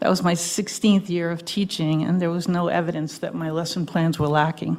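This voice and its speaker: Using a normal speaking voice, a woman talks at a moderate pace with a fairly low pitch and fairly even intonation. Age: 60s. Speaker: retired teacher testifying at a legislative hearing. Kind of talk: public testimony. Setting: legislative committee hearing. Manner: formal.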